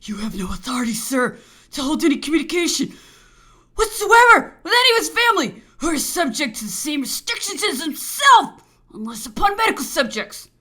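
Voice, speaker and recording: A woman's voice: medium pitch, creaky, fairly bright tone, breathy edge, full character voice. A woman voicing an angry, menacing, domineering British colonial governor in a dramatized memoir audiobook, imperious and accusatory.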